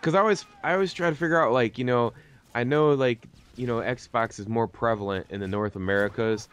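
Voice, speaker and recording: A man hosting a gaming video series runs a casual, rambling interview over game commentary, using lots of slang. His mid-range voice is a little fast, a bit bright, clear and resonant.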